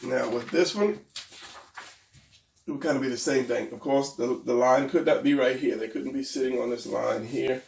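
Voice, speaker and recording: A man's voice: medium pitch, moderate pace, creaky, echoey room, far from the mic. A man teaching drawing in a casual, hesitant and rambling way, his voice a little stuffy and worn. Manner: hesitant, rambling, self-deprecating. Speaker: drawing instructor.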